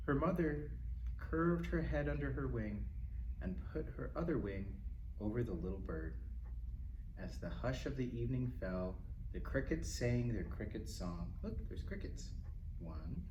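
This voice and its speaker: A man reading a picture book aloud to young children in a gentle, simple manner, with little asides to them as a storytime reader. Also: mid-range voice, expressive, a little slow, dull audio. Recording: roomy, distant mic with faint noise.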